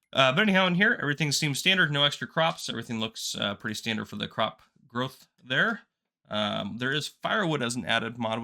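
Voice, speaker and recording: A congested man with a sore throat gives an easygoing walkthrough of a game map. His voice sits bright and forward, and he wanders into chatty asides as he goes. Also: medium pitch, creaky. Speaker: gaming channel host. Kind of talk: casual game map tour commentary.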